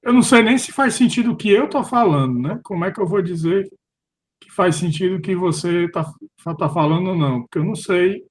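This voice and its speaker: A man's voice: sits high, brisk, slight background noise. A Brazilian man in a casual group discussion, questioning and unsure, often restarting words, heard over a video call. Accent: Brazilian Portuguese. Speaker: philosophy study group participant.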